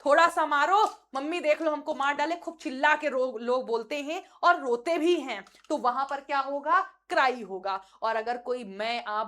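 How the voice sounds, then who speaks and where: A woman's voice: sits high, fairly bright tone. A woman teaching English in Hindi, explaining with vivid examples and putting questions to her viewers. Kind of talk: spoken-English lesson in Hindi.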